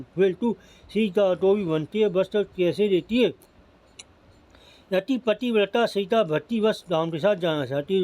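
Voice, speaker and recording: High-voiced man reading scripture aloud. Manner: steady recitation with frequent slips and restarts. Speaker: scripture reader. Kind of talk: devotional scripture narration.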